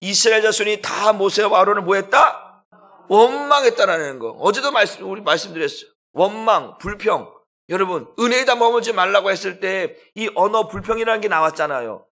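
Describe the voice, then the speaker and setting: A man's voice: high voice, expressive, brisk, fairly bright tone. A man who is a pastor preaching a sermon at an early-morning prayer service, animatedly quizzing the congregation and having them repeat phrases.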